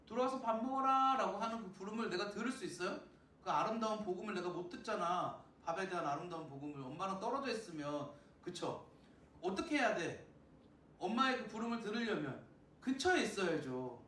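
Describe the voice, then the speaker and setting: A youth pastor with a sore throat, preaching a sermon to students and often asking them questions. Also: male voice, sits high, a little hiss or hum. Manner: lively, asks the listeners questions, acts out voices. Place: church sanctuary. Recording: echoey church, mic at a distance.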